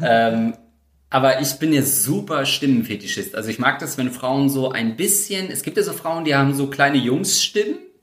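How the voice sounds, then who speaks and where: This man's intonation is lively, and his pace is moderate. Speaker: podcast host. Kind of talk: casual chat.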